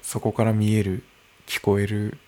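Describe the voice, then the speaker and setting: A man in his early thirties talking alone into a microphone in his room, slow and musing, with soft laughs. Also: on the low side, completely flat delivery. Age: early 30s. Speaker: podcast host. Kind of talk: unscripted solo podcast talk. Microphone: podcast microphone.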